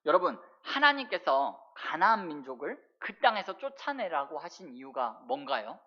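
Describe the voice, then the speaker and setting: A woman pastor preaches with a lively, swinging pitch and keeps putting questions to her congregation. Her voice comes through a dull, muffled lo-fi church recording. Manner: addresses the congregation often with rhetorical questions. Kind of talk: sermon.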